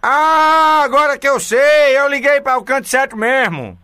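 A man's voice: very high-pitched, normal speed, pushed and bright, dry recording, studio quality. A man hosting a radio prank call, teasing and mock-polite as he repeats his catchphrases. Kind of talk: prank phone call banter.

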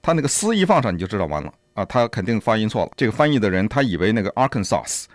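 Quick, lively Chinese radio co-host man. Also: fairly low pitch, no room sound, clean studio sound. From China. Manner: explains with many examples, chuckles at language traps. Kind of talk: casual radio discussion.

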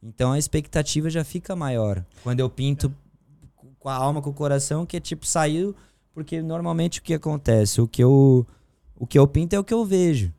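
Brazilian male guest, mellow and smooth, loose slangy talk, dry studio sound. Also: fairly high pitch, a little fast, no echo. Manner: relaxed, slangy, rambling. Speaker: guest painter. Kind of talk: casual interview chat. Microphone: studio mic.

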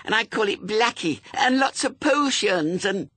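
A man voicing a stubborn, excitable six-year-old girl in a storybook, whiny and insistent. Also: sits high, unhurried, no echo, pitched above the performer's own voice, exaggerated voice. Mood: gleeful.

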